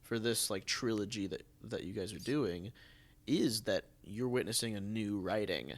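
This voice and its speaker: An American man hosting a casual podcast conversation, musing in a halting way as he thinks aloud. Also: on the low side. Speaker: podcast host and theatre artistic director.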